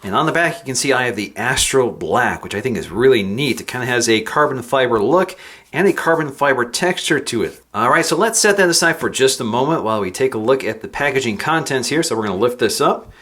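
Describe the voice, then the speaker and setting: A man reviewing tech, calmly explaining each step of a phone unboxing as he goes. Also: medium pitch, a little fast. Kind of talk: product unboxing walkthrough.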